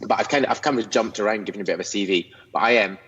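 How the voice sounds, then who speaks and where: A man's voice: on the low side, racing, a bit bright, slightly rough, in a large hall, dull audio. A young Scottish man from the northeast chatting as a podcast guest, self-mocking and full of restarts, over a video call. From Scotland, northeast near Inverness. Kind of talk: casual interview chat. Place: his own studio.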